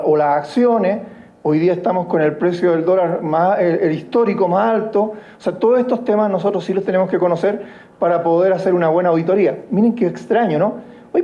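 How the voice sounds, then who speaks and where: Middle-aged Chilean lecturer, high voice, stumbling restarts, addresses the room. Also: male voice, mellow, lo-fi sound. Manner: halting, many restarts, addresses colleagues directly. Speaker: guest lecturer. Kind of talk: conference lecture.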